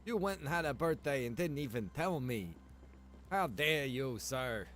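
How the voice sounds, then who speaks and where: A man's voice: medium pitch, big pitch swings, unhurried, a bit bright. A man streaming a game, chatting casually and rambling as he thinks aloud. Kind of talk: casual livestream gameplay chat.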